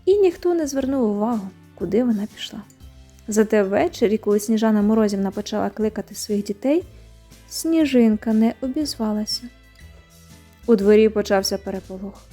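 A woman with a high voice reads a children's bedtime story aloud. Her delivery is gentle and expressive, and soft music plays faintly under her narration. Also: normal speed.

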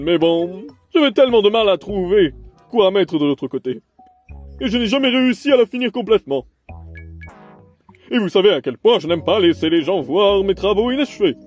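Zany high-pitched circus ringmaster. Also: male voice, expressive, a little fast, darkish tone, faint music behind. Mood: apologetic. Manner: showy, exclamatory, whimsical. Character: zany, theatrical male circus ringmaster machine host. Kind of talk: cartoon fan dub acting.

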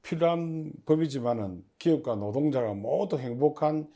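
A man giving formal, prepared interview answers as an agency official, in measured and stiffly official phrasing. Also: on the high side, expressive, mellow. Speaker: head of a public industry agency, interview guest.

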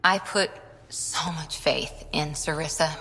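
An actress playing a loyal, self-doubting human lieutenant in a video game, earnest and steady. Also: female voice, sits low, takes it slowly, heavily acted, low-quality recording.

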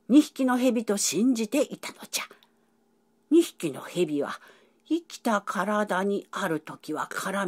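A woman voicing an elderly male professor who lectures at length in old-fashioned speech. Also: mid-range voice. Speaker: professor explaining ancient symbols. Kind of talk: educational dialogue.

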